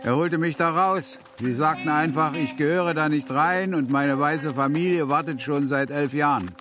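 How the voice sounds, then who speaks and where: A man's voice: a little high, normal speed, lightly acted. A man acting in a radio drama as a bitter, plain-spoken white man who was raised as a Comanche, recounting things in a reflective way. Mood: wounded, reflective. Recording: music under the dialogue. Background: music.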